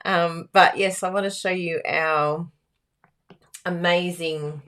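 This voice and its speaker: A woman with a croaky voice, hosting a live card-making class in a chatty, giggly, self-teasing way. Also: on the low side, steady tone, slow pace, a bit bright. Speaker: card-making instructor and livestream host. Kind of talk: live craft class chat.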